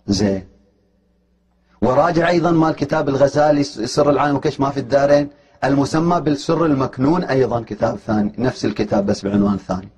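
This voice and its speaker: A man's voice: medium pitch, a little mellow, slightly rough. A man giving a heated, argumentative religious lecture, pressing his points with emphatic challenges.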